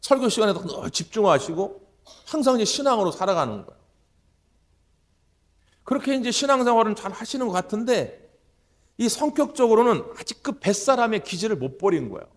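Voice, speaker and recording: A man's voice: high-pitched, sing-song, a little fast, pauses often. A male pastor preaching a sermon, telling stories and urging his congregation on with emphasis. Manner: storytelling, emphatic exhortation.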